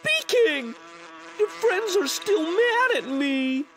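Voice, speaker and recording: A woman voicing a naive, excitable younger-brother bear in a cartoon, with exclamatory, playful delivery. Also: very high voice, slow, background noise, full character voice. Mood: pleading. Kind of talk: animated cartoon dub acting. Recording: music under the voice.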